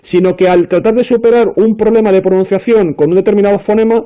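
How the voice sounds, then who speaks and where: High, mellow-voiced man explaining. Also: steady tone, quick pace. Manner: explanatory, many fillers and restarts. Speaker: panelist. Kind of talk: casual panel discussion.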